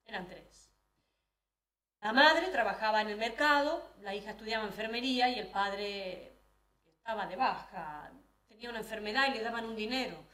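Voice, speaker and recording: Distant woman telling a story in a hall. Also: on the high side. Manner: hesitant, with frequent restarts. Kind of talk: dramatic first-person monologue. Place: live event hall. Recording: roomy hall, voice from afar.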